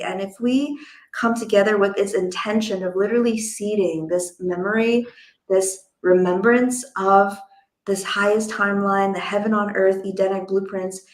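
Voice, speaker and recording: A woman's voice: mid-range voice, steady tone, moderate pace, echoey room, poor audio. A woman hosting a casual online interview, speaking effusively and peppering her talk with "like". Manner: effusive, uses casual filler words like "like". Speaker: host and event organizer.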